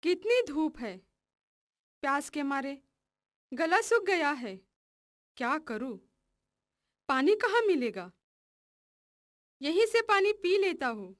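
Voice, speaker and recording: A woman's voice: high-pitched, big pitch swings, slow pace, long pauses, no echo, clean studio sound, exaggerated voice. A pleading young village boy. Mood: weary. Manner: plaintive, questioning. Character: young untouchable boy, thirsty, hurt and pleading. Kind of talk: animated film dubbing.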